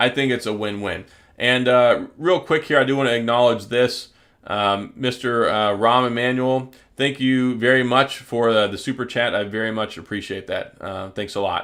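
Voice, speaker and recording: A man with a slight Southern accent speaks at medium pitch with ordinary variation in a very clean recording with a silent background. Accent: slight southern drawl. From Texas, Houston. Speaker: tech YouTuber. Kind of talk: livestream chat with viewers. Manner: fast.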